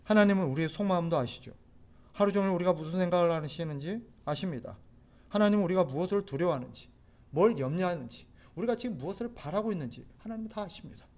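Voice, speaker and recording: A male pastor with a high, bright-sounding voice delivers a sermon. He speaks earnestly and exhorts his congregation, at times pleading with them urgently. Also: quick pace. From South Korea.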